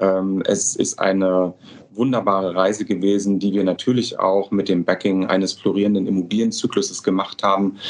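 At a moderate pace, a man speaks in a fairly low voice with monotone, flat intonation and very even loudness. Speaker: real estate executive. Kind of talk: interview. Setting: office, remote call.

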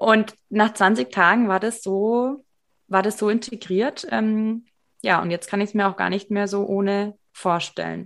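In a very clean recording with a silent background, a woman speaks fairly slowly with ordinary pitch variation in a normal speaking voice. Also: medium pitch for a woman. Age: 30s. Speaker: relaxation and stress coach. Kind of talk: interview.

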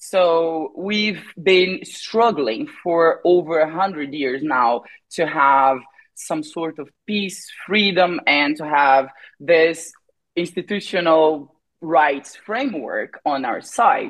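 Speaking very slowly, a woman with a Portuguese accent has a fairly low pitch. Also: ordinary pitch variation. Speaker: lawyer and academic. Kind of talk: interview. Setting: remote recording.

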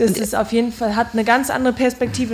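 Noticeable background noise sits behind this woman. She speaks at a fairly high pitch with monotone, flat intonation. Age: 20s. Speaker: student and show jumper. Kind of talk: interview.

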